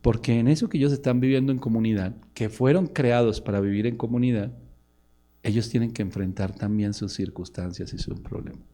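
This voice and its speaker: A man's voice: medium pitch, fairly quick, mellow. A man in his forties, a pastor with a Colombian Spanish accent, preaching a sermon with impassioned rhetorical questions.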